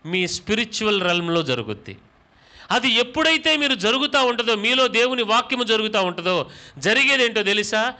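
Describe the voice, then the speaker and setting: A pastor preaching a sermon in a high, bright voice, firing questions at the congregation. He repeats words for emphasis and slips English phrases into his talk. His tone is forceful and tense. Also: expressive, brisk.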